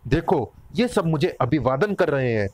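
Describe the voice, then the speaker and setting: A man voicing a gruff, hot-tempered man of the wolf clan who bosses and threatens. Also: a little high, sing-song, moderate pace, darkish tone. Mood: reassuring.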